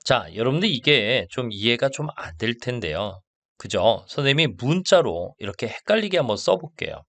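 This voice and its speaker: Male math lecturer, animated intonation, dry close sound, stresses terms slowly, checks understanding. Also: medium pitch, no room sound. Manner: slow and stressed on key terms, asks checking questions. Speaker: math teacher.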